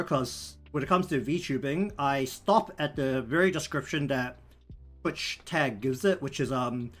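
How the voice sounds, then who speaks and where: Kiwi guy w a thick nz accent, mid pitched voice, rambly stream chat, music playing behind him. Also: fairly bright tone. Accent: broad New Zealand. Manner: rambling, thinking aloud. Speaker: live streamer. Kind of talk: casual livestream chat while working. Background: background music.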